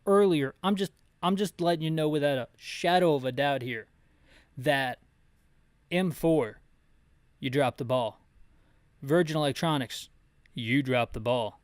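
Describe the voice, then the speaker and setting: Male game streamer, slightly high register, dry close sound; rambling, opinionated, joking descriptive playthrough narration. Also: measured pace, long pauses, dry recording. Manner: casual, jokey, opinionated. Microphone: close mic, bumped now and then.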